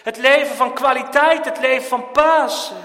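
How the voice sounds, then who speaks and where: A man preaching a sermon, swinging between loud pleading and quiet, earnest speech. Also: very high-pitched, moderate pace. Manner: impassioned, swings from shouting to quiet. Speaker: pastor. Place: church. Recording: echoey church hall.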